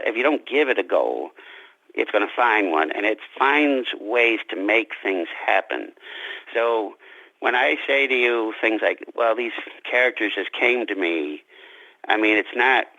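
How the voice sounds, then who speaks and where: A man being interviewed as a writer, talking reflectively about his craft in deliberate, halting phrases. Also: fairly low pitch, pushed and bright, dry recording, dull audio.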